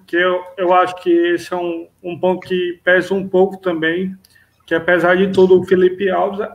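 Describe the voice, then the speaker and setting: A man with a slightly high voice and very even intonation chats about sports as a panelist. He speaks casually over a video call from a room at home. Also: rough recording.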